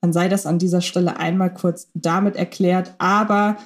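A woman's voice: on the low side, fairly even intonation, moderate pace. A woman co-hosting a podcast, talking in a chatty, thoughtful way while unwell. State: ill, recovering. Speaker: podcast co-host. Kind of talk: casual chat.

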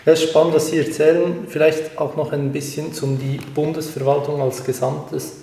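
Creaky-voiced Swiss man hosting a podcast. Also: fairly high pitch, level tone, brisk, mellow, a little hiss or hum, rough recording. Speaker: podcast host, interviewer.

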